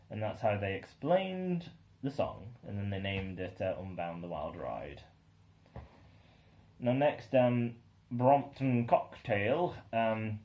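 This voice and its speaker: A young man with a somewhat low-pitched voice reviews an album track by track. He rambles, leaning on um and uh between thoughts, and sounds keen about what he hears. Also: a little mellow. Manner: rambling, many ums and uhs, enthusiastic. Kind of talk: casual spoken album review.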